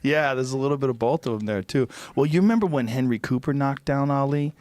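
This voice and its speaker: A man's voice: mid-range voice, fast talker, a little mellow, no room sound. Blunt profane man, dry studio mic. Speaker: podcast host. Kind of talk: casual chat.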